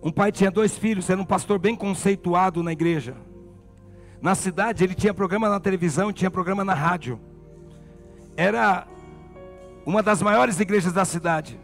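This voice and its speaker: A pastor with a Brazilian Portuguese accent, preaching a sermon and telling a story with passion. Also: male voice, sits high, normal speed, long pauses, faint music behind.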